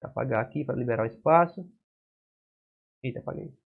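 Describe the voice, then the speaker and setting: Male Brazilian prep teacher, mid-pitched and husky, keeps asking "right?" as he explains. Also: brisk. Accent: Brazilian Portuguese. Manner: explains step by step with frequent "certo?" and "né?" checks. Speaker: exam-prep Portuguese teacher. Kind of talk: whiteboard grammar lesson. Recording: dull lo-fi classroom recording.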